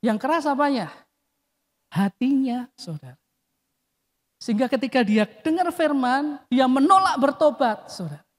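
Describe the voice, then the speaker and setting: A man's voice: very high-pitched, expressive, unhurried, long pauses. A male pastor preaching a sermon, emphatic, often addressing the congregation and dropping his voice at the end of phrases. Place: church hall. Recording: long reverb of a church hall.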